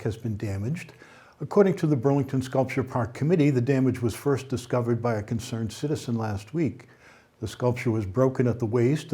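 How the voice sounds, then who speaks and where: Mellow-voiced male local news anchor. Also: mid-range voice. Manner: reads evenly with small ad-libs.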